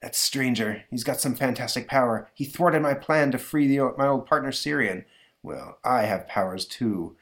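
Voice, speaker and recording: A man's voice: medium pitch, moderate pace, fairly bright tone, pitched above the performer's own voice, lightly acted. Thwarted schemer for a comic-book tale, grumbling and full of himself, read by a man. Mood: scheming. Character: scheming, frustrated male comic-book villain.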